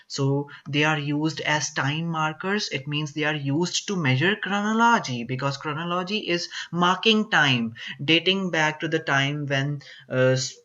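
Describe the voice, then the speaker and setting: Bright voice, exam tutor, repetitive explanations, muffled lo-fi sound. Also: medium pitch. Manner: repetitive, paraphrases text with fillers. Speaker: teacher. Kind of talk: explaining a reading exam passage.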